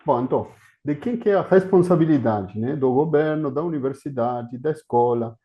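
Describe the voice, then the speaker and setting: Argentine man, native Spanish speaker, guest lecturer on a video call, halting delivery, dull lo-fi audio, mid pitch. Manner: hesitant, with many fillers and restarts. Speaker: guest speaker, historian of education. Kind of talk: academic talk in a video conference.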